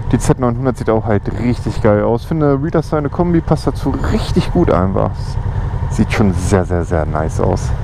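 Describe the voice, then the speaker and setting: A man talks over noticeable background noise. The sound is dry with no echo. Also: moderate pace. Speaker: motovlogger. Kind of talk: casual vlog chat. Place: street.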